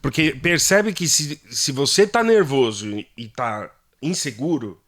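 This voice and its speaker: A man's voice: mid-range voice, measured pace. A man with a Brazilian Portuguese accent, a voice health specialist, explaining in a casual podcast conversation and acting out voices as he goes. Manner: animated, plays out voices while explaining.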